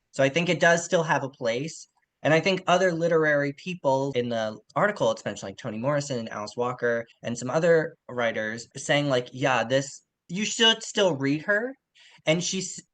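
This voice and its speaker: A man's voice: medium pitch, fairly bright tone. A man co-hosting a podcast, discussing literature in a colloquial, slangy and opinionated way. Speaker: podcast co-host.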